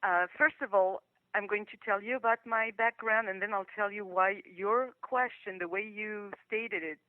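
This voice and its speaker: A woman answers interview questions carefully and thoughtfully, pausing on fillers. Her voice comes through a narrow, tinny phone line with no room sound around it. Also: medium pitch, no echo. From France. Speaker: guest, intercultural communication consultant.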